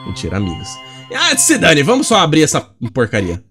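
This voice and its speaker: A man's voice: on the high side, wildly swooping pitch, brisk, over music. Man reading as a rowdy teen girl bully from a game, blunt, mocking. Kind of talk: video game dialogue read aloud.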